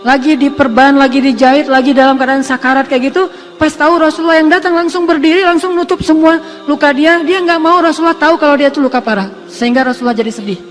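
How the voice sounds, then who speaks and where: Male preacher, very high voice, casual storytelling sermon, acts out characters, faint music under. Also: fast. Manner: lively, acts out quoted voices, self-deprecating asides. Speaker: Islamic preacher.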